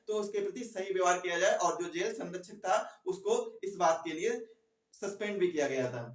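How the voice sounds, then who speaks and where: A man giving an explanatory exam lecture, repeating key phrases and putting questions to his students. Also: high voice. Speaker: exam coaching teacher. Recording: echoey room, distant mic.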